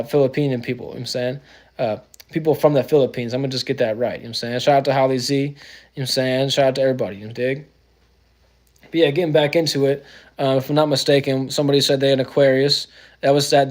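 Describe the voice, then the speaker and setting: A man's voice: mid-range voice, darkish tone. Chatty astrology streamer man, AAVE slang. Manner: loose and chatty, keeps saying "you know what I'm saying"; drops into slang. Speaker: astrology livestream host. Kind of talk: casual livestream talk.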